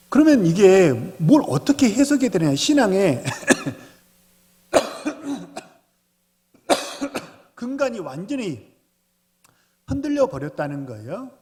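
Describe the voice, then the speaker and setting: A man, the senior pastor, preaching a Sunday sermon and often putting questions to the congregation. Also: high-pitched. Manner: animated, asks the congregation questions. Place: church sanctuary. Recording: long reverb of a church hall.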